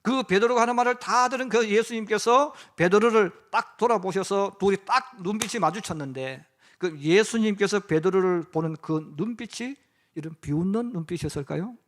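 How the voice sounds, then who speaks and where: Middle-aged pastor guy preaching, high voice, acts out the quotes. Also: normal speed. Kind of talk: sermon.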